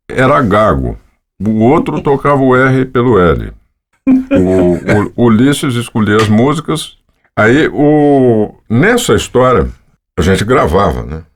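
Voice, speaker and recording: Man, 70s, from Brazil, lively animated delivery, casual anecdotes. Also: lowish voice. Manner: rambling, anecdotal, with frequent fillers. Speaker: voice-over artist guest. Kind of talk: casual storytelling interview.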